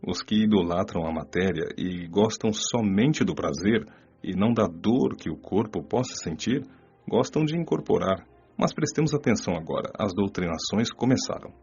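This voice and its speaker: A low, very creaky voice from an actor as a Brazilian male spirit mentor. He explains in a calm, serious, didactic manner, like a radio novel teacher. The recording is dull, with music underneath. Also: moderate pace. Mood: calm, instructive. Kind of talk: scripted audiobook radio novel dialogue.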